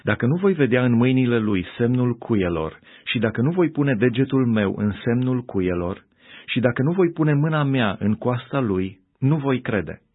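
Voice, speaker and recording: A man voicing a stubborn, doubting male disciple in an insistent, even tone within a scripture reading. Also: medium pitch, no room sound, natural voice. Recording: tinny phone-like audio.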